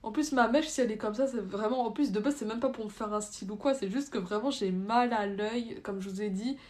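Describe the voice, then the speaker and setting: A woman's voice: fairly high pitch, brisk, darkish tone. A young adult woman chatting informally on a livestream, reading out comments and answering them bluntly in hesitant, loose phrasing. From France. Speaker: livestream host. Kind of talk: casual live chat, reading out and answering viewer comments.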